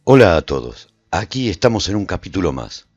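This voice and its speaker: A man playing a solitary, reflective survivor who recounts his travels in measured, theatrical radio drama narration. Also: deep voice, big pitch swings, darkish tone, dry recording, dull audio, soft background music. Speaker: narrator and lead actor of a radio serial.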